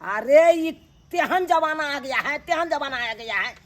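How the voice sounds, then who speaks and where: A woman with a Maithili accent playing an indignant young husband in a village comedy skit, loud and scolding. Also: high-pitched, animated, unhurried. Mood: angry.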